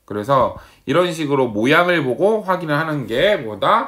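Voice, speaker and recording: A man speaks at a fairly slow pace in a bright, sharp tone, his pitch swinging very widely. The recording is very clean with a silent background. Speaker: vocational high school teacher. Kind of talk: lecture. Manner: halting, with self-corrections.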